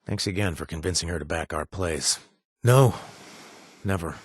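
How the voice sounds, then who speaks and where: An actor voicing a gentle, awkward ex-raider companion in a video game, talking haltingly with many fillers and restarts. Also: male voice, low voice, breathy edge, no echo, clean studio sound. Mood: somber. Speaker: companion character.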